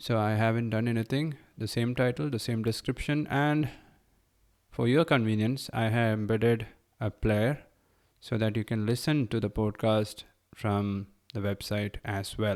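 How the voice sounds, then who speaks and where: A man with a Keralan accent speaks at medium pitch and a moderate pace. His intonation is fairly even, and the recording is very clean with a silent background. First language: Malayalam. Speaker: podcast host, blind content creator. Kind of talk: solo podcast talk. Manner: hesitant with fillers.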